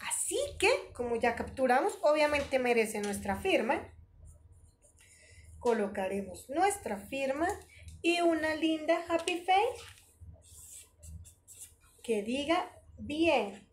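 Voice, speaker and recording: A woman's voice: high voice, sing-song, takes it slowly, long pauses, slight background noise. A woman teaching an online preschool lesson, talking in an exaggerated, sing-song, encouraging way.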